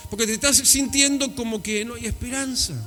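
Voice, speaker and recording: A man from Uruguay with a Rioplatense accent, preaching a lively, conversational sermon in church. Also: very high-pitched, brisk, long reverb tail, faint music behind. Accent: Rioplatense Spanish. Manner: lively, conversational preaching with rising emphatic peaks. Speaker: pastor.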